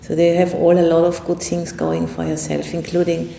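A woman giving a guided meditation talk as a meditation teacher, speaking in an unhurried, reflective way with long pauses. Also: monotone, vocal fry, dark tone. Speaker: Buddhist nun and meditation teacher. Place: indoor room at a retreat center. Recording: roomy echo, faint rumbling background noise.

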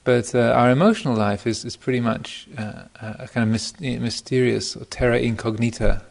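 A man giving an informal dharma talk as a meditation teacher, speaking thoughtfully and hesitantly, often pausing mid-phrase, in a gravelly voice. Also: medium pitch, steady tone. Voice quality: gravelly, creaky voice. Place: meditation retreat center.

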